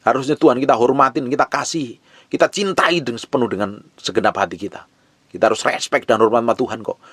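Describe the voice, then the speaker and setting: A man's voice: mid-range voice, fast talker, fairly bright tone, breathy edge, dry recording. A man preaching a sermon as pastor, blunt and scolding with emphatic delivery.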